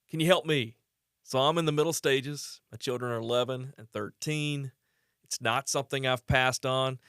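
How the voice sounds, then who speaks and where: A man's voice: medium pitch, fairly bright tone, clear, resonant tone, no room sound, clean studio sound. A man in his forties hosting a faith and parenting podcast, asking his guest questions in an earnest, conversational way. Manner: earnest, conversational, with brief laughs. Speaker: podcast host. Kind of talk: podcast interview.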